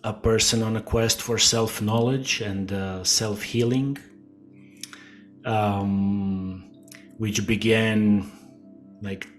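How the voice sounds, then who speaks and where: A middle-aged man from Croatia speaks in a low, flat voice, slowly and haltingly, often pausing on fillers. He sounds like a guest in a casual interview. Soft music plays faintly behind him. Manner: slow and hesitant, many fillers and restarts.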